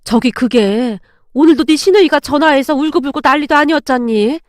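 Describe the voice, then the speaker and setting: A woman's voice: sits high, fairly quick, dry recording, clean studio sound, natural voice. A woman voicing an angry, hypocritical older mother-in-law who scolds shrilly. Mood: scheming.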